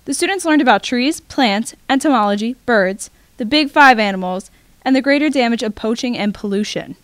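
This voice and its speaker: Teen girl student reporter, steady scripted narration, slightly high voice, dry close recording. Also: normal speed, no echo. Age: teens.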